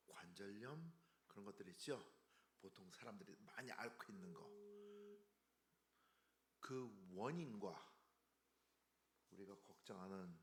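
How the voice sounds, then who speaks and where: Low, gravelly man, halting. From Korea, later raised in the United States. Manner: halting, stumbles over words, restarts. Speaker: seminar speaker, health researcher. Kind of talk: informal health seminar lecture. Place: indoor seminar room. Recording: roomy, echoey seminar room.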